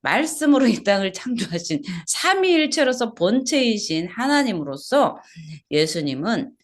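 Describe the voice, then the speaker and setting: A woman's voice: a little high, big pitch swings, moderate pace. A woman pastor preaching an expository sermon at a small church service, asking the congregation questions and repeating key words.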